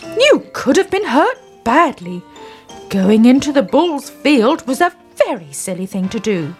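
A woman's voice: a little high, big pitch swings, measured pace, faint music behind. A woman voicing a stern but kindly male farmer who speaks in a scolding tone.

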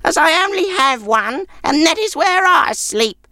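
A woman voicing a sour, stingy old woman in a cottage, high and snappish. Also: animated, a little slow, sharp tone, no echo, studio quality, full character voice. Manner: snappish, scornful.

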